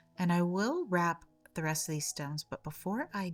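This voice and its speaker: Background music accompanies a woman whose pitch varies in an ordinary way. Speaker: craft tutorial creator. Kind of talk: tutorial. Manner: casual, conversational.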